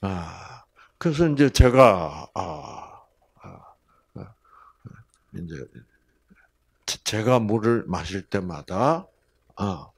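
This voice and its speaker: A middle-aged man gives a folksy health lecture at an unhurried pace. His voice has a husky edge. He pauses often with fillers and slips in homely humor. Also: sits low, expressive. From Gyeongsang region, South Korea.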